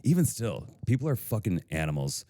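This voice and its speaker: Fast-talking man, low dark voice. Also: big pitch swings, dry recording, studio quality. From Chicago. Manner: swearing, quick rambling storyteller. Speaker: podcast co-host. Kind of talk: casual chat.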